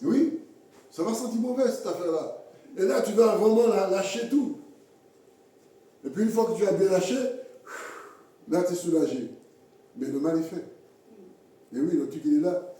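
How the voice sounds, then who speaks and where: A man preaching a sermon in a halting way, repeating words and acting out little everyday scenes. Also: sits high, animated, mellow. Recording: echoey hall from far off.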